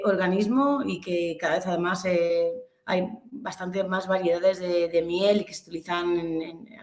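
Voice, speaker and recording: A woman from Spain with a Castilian accent giving an informal online lecture, explaining hesitantly and searching for words. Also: on the low side. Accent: Castilian Spanish. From Albacete, Castilla-La Mancha, Spain. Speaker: webinar presenter, business instructor. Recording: echoey room sound.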